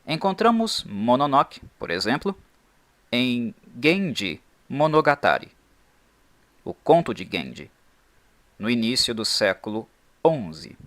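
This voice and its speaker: Guy reading his script, lots of ups and downs in pitch, punchy delivery. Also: sing-song, slow, long pauses, a bit bright. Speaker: channel host.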